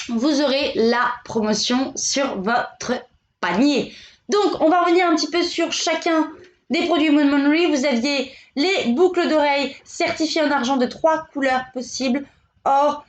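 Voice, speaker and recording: A woman selling jewelry on a live shopping stream, chatty and joking as she pushes viewers to buy. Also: high voice. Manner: chatty, joking, pushy salesy banter. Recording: echoey room, dull lo-fi sound.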